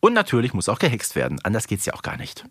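A man's voice: on the low side, huge pitch swings, fast, fairly bright tone. A man co-hosting a podcast in casual chat, wry and playfully ironic. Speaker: podcast co-host. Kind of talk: casual chat recapping an audio drama.

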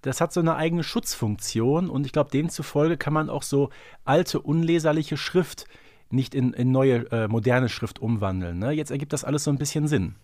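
A man co-hosting a casual fan podcast, speaking deliberately with slightly formal phrasing. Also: mid-range voice, darkish tone, no echo, clean studio sound. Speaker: podcast co-host.

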